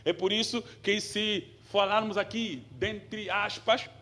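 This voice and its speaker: Male pastor, high bright voice, Bible study sermon that swings from casual talk to fiery preaching. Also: steady tone, slow. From Angola. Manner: conversational teaching that builds to forceful preaching, with rhetorical questions.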